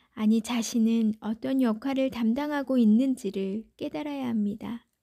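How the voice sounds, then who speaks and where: A woman's fairly high-pitched voice with a dark, mellow tone at a very slow pace. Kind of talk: reading aloud; reflection.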